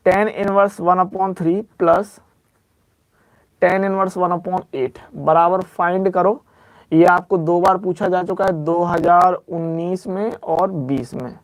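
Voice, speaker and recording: A man's voice: high voice, dry recording. A young man teaching an exam-prep maths lecture, working through sums aloud and repeating reminders to be careful. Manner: drills reminders, works sums aloud step by step; slows to dictate formulas, speeds up for asides.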